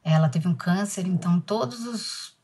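Husky-voiced Brazilian woman, reflective. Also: lowish voice, normal speed. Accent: Brazilian Portuguese. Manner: reflective, tells a painful memory softly. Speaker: actress interviewee. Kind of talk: emotional interview talk.

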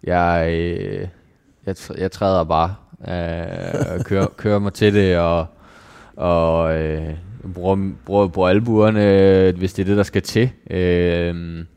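A man from Jutland, a professional cyclist answering interview questions calmly and modestly, often restarting his sentences. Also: deep voice, creaky, clean tone, dry recording. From Jutland, Denmark.

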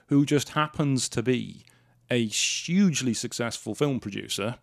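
A man's voice: on the low side, dry recording, studio quality. A man from South Wales hosting a podcast, telling a story in an indignant, sarcastic way. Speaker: podcast host. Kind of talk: casual storytelling monologue.

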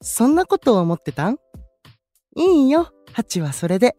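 A man playing a gentle, candid young male idol with a Kansai accent in an anime-style audio drama, soft-spoken and considerate. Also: very high-pitched, sing-song, moderate pace, no echo, faint music behind, full character voice. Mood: earnest, caring.

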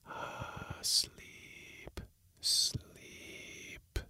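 A man voicing sinister hidden alien voices in a breathy, chanting whisper for a short story. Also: sharp tone, no room sound, exaggerated voice. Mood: hushed, luring. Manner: chanting, drawn-out repetition.

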